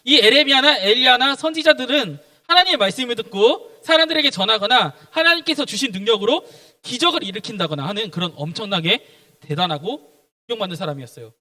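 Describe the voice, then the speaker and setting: A man's voice: very high voice, lively intonation, quick pace, pushed and bright. A young man, a junior pastor, giving a children's sermon and quizzing the kids with questions as he goes.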